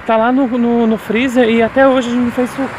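High-voiced man vlogging outdoors. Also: flat delivery, quick pace. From Brazil. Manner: chatty, keeps addressing viewers as "gente". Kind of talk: casual walking vlog. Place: outdoors on a city street. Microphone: handheld phone camera while walking. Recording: noisy outdoor phone recording. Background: street traffic and outdoor ambience.

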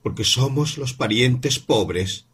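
A man voicing a bitter, weary mother in an audiobook reading, answering slowly and with resentment. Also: mid-range voice, lively intonation, a bit bright, husky, voice pushed up, full character voice. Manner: slow, bitter, measured replies.

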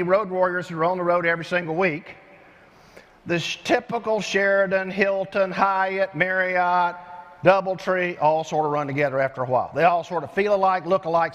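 An older man giving an energetic keynote speech on a large conference stage, telling stories with lively gestures through a headset mic. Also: high voice. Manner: animated storyteller with lively gestures. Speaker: keynote speaker. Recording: long hall reverb from arena.

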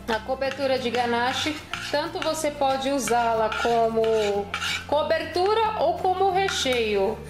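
A woman guides a cooking video from behind the camera, prompting the young cook and filling in how the recipe works. Her voice sits a little high. The kitchen is roomy and echoing, with music playing underneath. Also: expressive, slow. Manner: prompting, explanatory. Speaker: off-camera helper and co-host. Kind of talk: coaching and explaining recipe. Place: home kitchen. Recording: echoey kitchen with background music.

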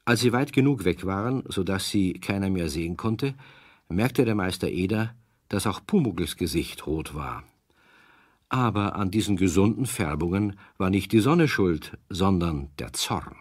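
An actor as the calm, wryly sympathetic narrator of a children's audio play. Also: male voice, low voice, unhurried, slightly rough, dry recording, studio quality, full character voice. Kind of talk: scripted children's story narration.

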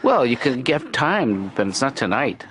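A man voicing a mild, hesitant middle-aged father in a cartoon, stammering in a gentle deadpan. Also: medium pitch, moderate pace. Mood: dry. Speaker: father and therapist.

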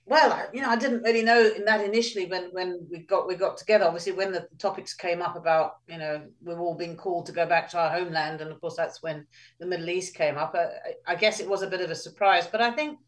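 A woman in her sixties from England, a trained midwife, answering interview questions in a thoughtful, measured way with many fillers. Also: on the low side. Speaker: guest, midwife. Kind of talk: casual interview.

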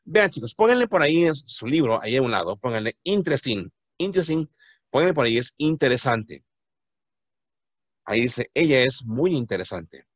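A man's voice: medium pitch, big pitch swings, normal speed, no echo, dull audio. A man teaching an English class to Spanish-speaking students, patiently repeating words to drill their pronunciation.

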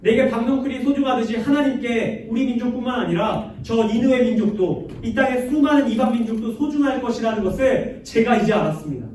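A man voicing a stubborn, sulking male prophet who shouts indignant complaints at God in a sermon retelling. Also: very high voice, a little fast, hardly any pauses, heavy reverb, far from the mic, a little hiss or hum. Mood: contrite.

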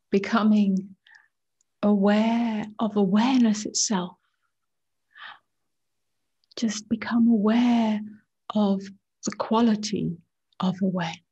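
Female meditation guide: very breathy, mellow, hushed and calming, on a slightly dull recording. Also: mid-range voice. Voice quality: soft, breathy, often near a whisper. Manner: unhurried short phrases, hushed, calming. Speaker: meditation teacher. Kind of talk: guided meditation, slow and gentle with long pauses.

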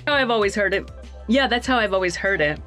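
A woman's voice: mid-range voice, expressive, quick pace, a bit bright, soft background music. A woman audiobook narrator in studio outtakes, breaking into giggles as she reads. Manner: giggling, breaking up mid-line. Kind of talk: studio outtakes, reading and laughing.

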